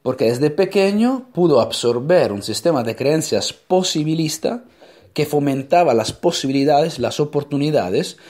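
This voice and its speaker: A man's voice: fairly high pitch, lively intonation, normal speed, darkish tone. A man with an Italian accent, a native Italian speaker, giving an emphatic motivational talk full of rhetorical questions.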